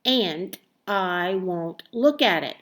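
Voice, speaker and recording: A woman's voice: on the low side, lively intonation, slow pace, fairly bright tone. A woman voicing a stubborn, indignant white-haired old woman in a storybook, emphatic and insistent.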